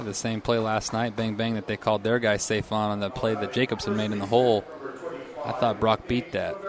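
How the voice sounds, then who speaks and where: Someone with an American accent speaks at a fairly quick pace in a monotone, flat intonation. Noticeable background noise runs underneath. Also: man, medium pitch for a man. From Arizona. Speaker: color commentator, former pitcher. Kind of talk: live commentary.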